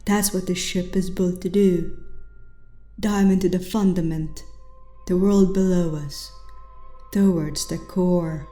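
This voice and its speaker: A woman's voice: fairly low pitch, fairly even intonation, slow pace, long pauses, mellow, reverberant, faint music behind. A woman with an Eastern European accent voicing a resolute young alien navigator, intense and declarative, in a story.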